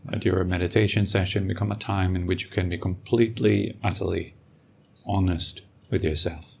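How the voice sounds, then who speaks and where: Low gravelly guy doing guided meditation, calm, slow, lots of pauses. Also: a little hiss or hum. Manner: calm, unhurried, with long pauses. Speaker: meditation teacher and podcast host.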